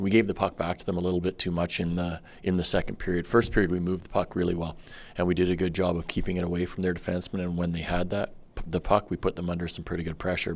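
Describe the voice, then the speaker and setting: A middle-aged man speaks into a table microphone in a press room, in a deep, gravelly voice. He answers in a measured, matter-of-fact way, with an even, flat delivery that rarely rises. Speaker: hockey head coach. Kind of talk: post-game press conference answers. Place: press room in front of a sponsor backdrop. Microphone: table microphone on a stand.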